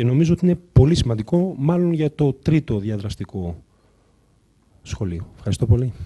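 A man talks at a moderate pace in a dark, mellow, somewhat breathy tone. His pitch swings very widely against a quiet background. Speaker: urologist. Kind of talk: panel discussion. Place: meeting room. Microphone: handheld.

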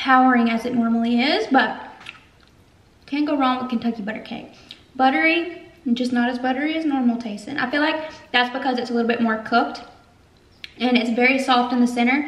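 Her pitch is high and her intonation fairly even as a woman speaks at a fairly quick pace. Room echo can be heard. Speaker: food reviewer. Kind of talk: casual vlog chat. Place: kitchen. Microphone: camera far.

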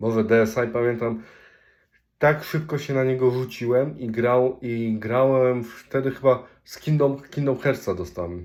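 Big swings in loudness mark this man's fairly slow speech at a medium pitch with ordinary pitch variation. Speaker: gaming YouTuber. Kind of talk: casual vlog monologue. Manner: halting, frequent restarts. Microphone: phone microphone.

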